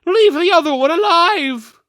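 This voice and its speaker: A man voicing an excitable, urgent adventurer twin in a fantasy story, in a shrill manner. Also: unhurried, dry recording, clean studio sound, heavily acted. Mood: frantic pleading.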